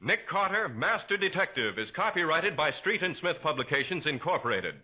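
A man's voice: on the high side, big pitch swings, brisk, soft background music. An American man announcing on 1940s radio with a polished, emphatic salesman's delivery. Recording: dull, muffled 1940s radio recording.

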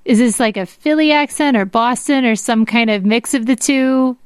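A woman's voice: on the high side, normal speed, clean tone, no room sound, studio quality. A woman hosting a podcast, moving between explanatory introductions and casual chat. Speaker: podcast host.

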